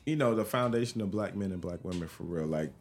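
A man's voice: sits low, fast talker, a little mellow. A man with an African American accent talking bluntly in a casual, heated discussion, swearing and repeating himself.

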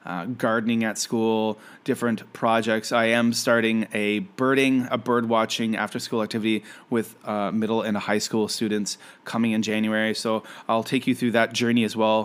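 A man's voice: medium pitch, fairly bright tone, clean tone. A man from Canada hosting a casual solo podcast, talking in a friendly, rambling way with many fillers and restarts. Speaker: podcast host; environmental educator.

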